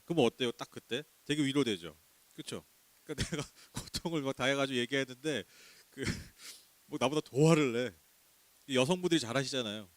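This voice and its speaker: A man's voice: on the high side, no room sound. A man preaching a sermon in a conversational way, asking the congregation questions and laughing now and then. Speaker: pastor. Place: small church.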